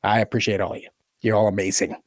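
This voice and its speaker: A man's voice: lowish voice, little pitch movement, fast talker, no room sound, clean studio sound. A man talking in an enthusiastic, informal and effusive way, as one of a podcast team chatting casually. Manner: effusive, informal, full of praise. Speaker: podcast team member and story creator.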